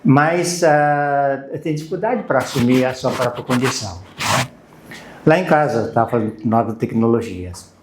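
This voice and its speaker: A man in his sixties from Brazil whose mother tongue is Japanese, with a mid-pitched voice. He speaks conversationally and haltingly as a guest, searching for his words. The recording is roomy and echoing. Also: noisy background. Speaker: guest, university lecturer and language student. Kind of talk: casual conversational interview.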